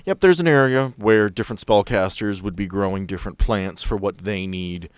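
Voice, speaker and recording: Game master, male, low register, relaxed improvised storytelling with playful touches, very dry studio-like sound. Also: moderate pace, clear, resonant tone, dry recording. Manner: playful, conversational. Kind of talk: casual improvised tabletop narration.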